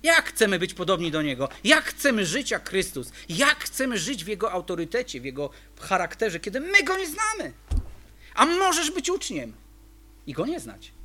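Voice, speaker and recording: A man delivering a sermon with a bright, forceful tone. He presses his points with emphatic rhetorical questions aimed at the congregation. His high voice swoops up and down as he preaches.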